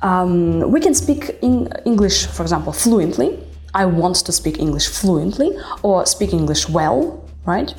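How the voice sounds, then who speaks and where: A woman's voice: lowish voice, animated, a little slow, darkish tone, soft background music. A woman from Russia whose first language is Russian, co-hosting a podcast and explaining English vocabulary in a teacherly, questioning way. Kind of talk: language-lesson podcast chat.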